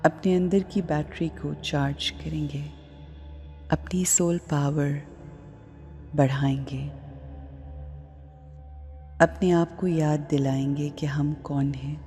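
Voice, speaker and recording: A woman leading a guided meditation, speaking deliberately in short phrases with long pauses between them. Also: sits low, fairly even intonation, dark tone. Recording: long reverb, music underneath. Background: music.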